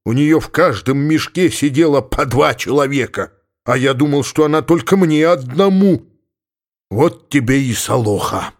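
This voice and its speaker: A gruff middle-aged Cossack father, as a male audiobook reader plays him, grumbling and exclaiming in a mid-range voice. He sounds stubborn and suspicious, forever muttering to himself. The storybook reading keeps him close to the reader's own voice. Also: medium pitch, lively intonation, normal speed, lightly acted. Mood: indignant.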